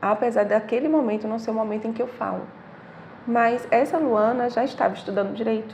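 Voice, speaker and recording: A woman's fairly quick speech with fairly even intonation amid noticeable background noise. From Brazilian Northeast (Bahia, Pernambuco, Alagoas). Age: 40s. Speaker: abuse survivor interviewed on a social program. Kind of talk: personal testimony in an interview. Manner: halting at times.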